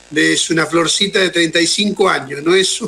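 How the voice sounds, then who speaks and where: Through noticeable background noise, a man with a high pitch speaks at a fairly slow pace. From Argentina. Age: 50s. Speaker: interview guest. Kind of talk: radio interview. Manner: halting.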